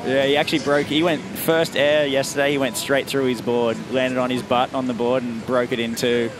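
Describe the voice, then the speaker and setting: Chatty excited surf commentator man. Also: medium pitch, normal speed, background noise. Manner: enthusiastic, chatty, laughs often. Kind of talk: sports commentary.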